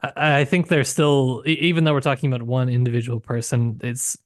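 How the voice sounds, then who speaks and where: Man, podcast co-host, casual discussion, mid-pitched voice, tentative and rephrasing, close dry recording. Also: little pitch movement, fairly quick, no room sound. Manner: tentative, circles back and rephrases while thinking aloud.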